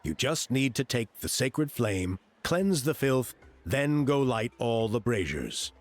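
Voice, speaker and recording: An actor playing a patient, earnest tribal man in a video game, explaining a sacred ceremony in a measured, reassuring way. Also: mid-range voice, very animated. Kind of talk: video game character acting.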